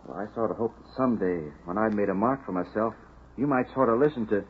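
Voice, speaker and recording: An actor playing an earnest, modest young railroad builder with folksy manners in 1930s radio style. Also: male voice, on the low side, quick pace, a little hiss or hum, natural voice. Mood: earnest, tender. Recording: tinny 1930s radio recording.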